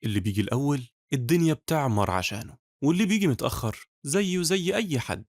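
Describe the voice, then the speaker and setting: A man's voice: mid-range voice, expressive, fast, no room sound. A man with an Egyptian accent delivering scripted advertising voice-over as a commercial voice artist, recorded in a studio.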